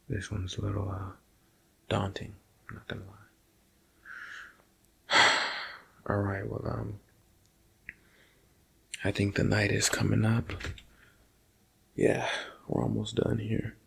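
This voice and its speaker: A man playing a nervous night security guard in an ASMR roleplay, talking casually and haltingly to his partner and slipping into whispers. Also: on the low side, little pitch movement, creaky, a bit bright, breathy edge, exaggerated voice. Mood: drained, subdued.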